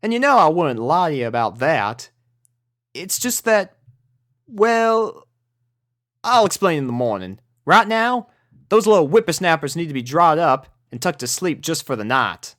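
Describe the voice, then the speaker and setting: A man's voice: fairly high pitch, very animated, a little slow, fairly bright tone, dry recording, clean studio sound, pitched above the performer's own voice. A man voicing a kindly, motherly country farm pony mare with a folksy Southern drawl. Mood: hesitant. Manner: folksy, drawling, coos baby talk.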